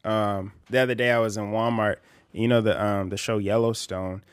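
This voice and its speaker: A man's voice: lowish voice, little pitch movement, normal speed, clear, resonant tone, no echo. Easygoing man, dry close sound. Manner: easygoing, laughs a lot. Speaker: podcast co-host. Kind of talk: casual chat.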